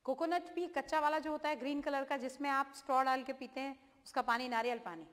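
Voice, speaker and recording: Woman teacher, high pitch, spells words letter by letter, asks questions, long reverb. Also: fairly even intonation, a little fast, fairly bright tone. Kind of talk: spelling out and naming fruits for students.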